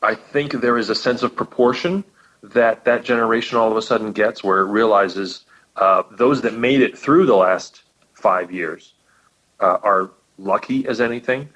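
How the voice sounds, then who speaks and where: A man's voice: on the low side, fairly bright tone. A man talking casually as a podcast guest, thoughtful and rambling, often restarting his sentences. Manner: thoughtful, rambling, frequent restarts and repeated words. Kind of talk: casual conversation about old radio comedy. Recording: lo-fi podcast audio.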